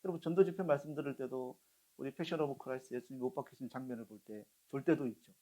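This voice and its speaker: A middle-aged pastor preaches a sermon, telling stories with acted-out quotes and putting questions to the congregation. He speaks very fast in a medium-pitched, dark-toned voice.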